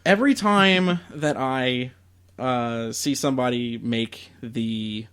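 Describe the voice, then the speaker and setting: A man's voice: mid-range voice, takes it slowly, fairly bright tone, smooth. Chatty young man gushing about games. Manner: enthusiastic, laughs often, many fillers. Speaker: podcast co-host. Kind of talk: casual chat about video games.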